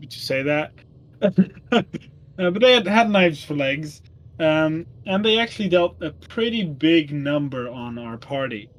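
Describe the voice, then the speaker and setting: A man's voice: a little high, low-quality recording. A man recapping the last tabletop game session in casual chat, full of ums and self-corrections. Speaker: player giving the session recap.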